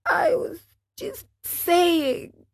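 A woman reading an audiobook, voicing an eager, mischievous wooden puppet boy who talks in a high, pleading way. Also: sing-song, drawn-out words, creaky, full character voice. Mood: whiny.

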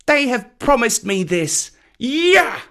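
Little jungle boy, high-pitched, boastful, sulky, defiant, childlike storybook voice. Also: very animated, a little slow, a bit bright, full character voice. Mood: gleeful, shouting. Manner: high, exclamatory, childlike delivery.

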